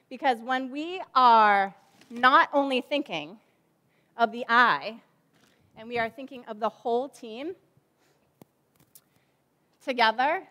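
Speaking from a church stage, a children's ministry director in her forties delivers a chatty object lesson sermon full of fillers. Her voice is on the high side, pushed and bright.

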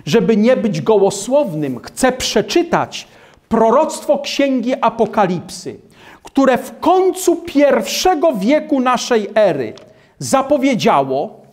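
A man's voice: very high-pitched, big pitch swings, takes it slowly, a little mellow. An older man preaching a lecture-style sermon in a small hall, emphatic, pointing at a map and holding up a booklet as he talks. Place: small hall with maps on the wall.

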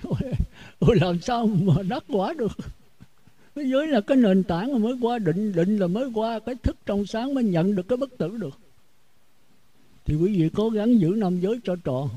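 Blunt Southern Vietnamese monk, high voice. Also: male voice, lively intonation, moderate pace, dark tone, highs cut off. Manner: blunt, outspoken, repeats words while searching. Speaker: Buddhist monk preaching. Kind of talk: sermon.

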